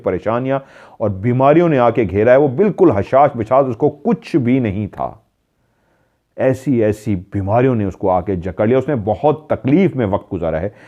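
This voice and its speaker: A man's voice: fairly low pitch, mellow. A man narrating a paranormal story as a retelling, mimicking the voices of the people in it by raising his voice. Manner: dramatic retelling, mimicking calls in a raised voice. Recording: dull lo-fi sound.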